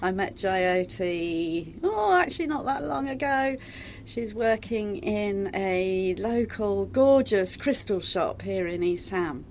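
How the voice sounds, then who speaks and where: A woman hosting a relaxed, conversational interview. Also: mid-range voice, slow pace, few pauses, a little hiss or hum. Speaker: interviewer and host.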